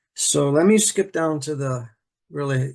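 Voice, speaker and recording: Very slow and somewhat breathy, a man speaks at a fairly high pitch. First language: not English. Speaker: IT security presenter. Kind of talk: presentation.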